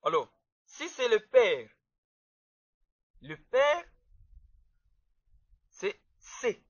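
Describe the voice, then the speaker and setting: A man teaches a grammar lesson, speaking deliberately and repeating words for emphasis. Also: very high-pitched, sing-song, dry recording. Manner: slow, deliberate, repeats words to stress them. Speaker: language teacher. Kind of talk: explaining grammar to viewers. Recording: dull, slightly muffled dry sound.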